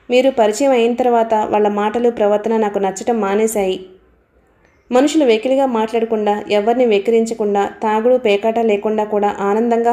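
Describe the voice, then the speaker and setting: A woman's voice: mid-range voice, mellow, close to an everyday voice. A woman reading the part of an eager, devoted young man who talks in a pleading, earnest way.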